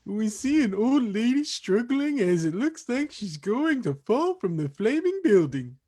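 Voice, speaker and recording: A woman's voice: fairly high pitch, sing-song, measured pace, warm tone, breathy edge. A woman reading stage directions as scripted narration for a staged reading.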